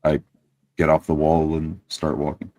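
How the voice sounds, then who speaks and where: A man with an extremely low voice plays a tabletop roleplaying game. He moves between formal, courteous character speech and first-person narration. The sound is dry and close. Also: monotone, moderate pace, warm tone, no room sound.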